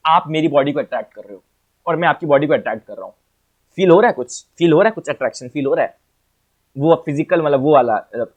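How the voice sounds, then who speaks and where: Chatty, repetitive male physics teacher. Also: on the high side. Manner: repeats phrases and asks the viewer rhetorical questions; playful, chatty asides. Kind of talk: exam-prep lecture.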